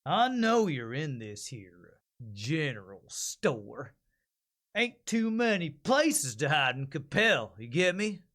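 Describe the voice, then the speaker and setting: A man voicing a stern, slightly sinister cartoon Old West marshal with a slow, deliberate cowboy drawl. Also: on the high side, sing-song, a bit bright, full character voice. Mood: stern menacing.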